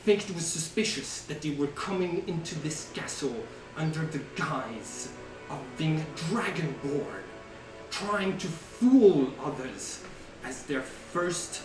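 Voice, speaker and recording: Man voicing an imperious angry white dragon, slow and scornful. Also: on the high side, expressive. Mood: scornful, accusing. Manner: contemptuous, theatrical monologuing. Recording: roomy, distant mic, music underneath.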